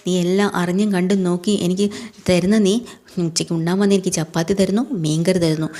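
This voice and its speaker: A woman's voice: fairly low pitch, fairly even intonation, a little fast, warm tone, lightly acted. A woman reading the lines of a worried, stern middle-aged family man in a serial recap, pressing questions in a plain voice. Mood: demanding.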